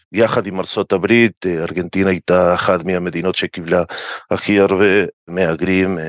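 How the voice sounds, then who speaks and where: Heard in a dry, close sound with no echo, a man with a very deep, low voice speaks at a moderate pace. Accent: Spanish. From Argentina. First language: Spanish (speaking Hebrew). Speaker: academic expert on Latin America. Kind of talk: interview. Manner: hesitant with fillers.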